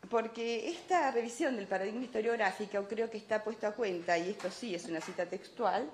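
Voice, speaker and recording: A woman's voice: medium pitch, a little fast, a little mellow. A woman speaking as an academic at a conference, addressing an audience emphatically, with repetition and rhetorical questions. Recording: echoey room, light background noise.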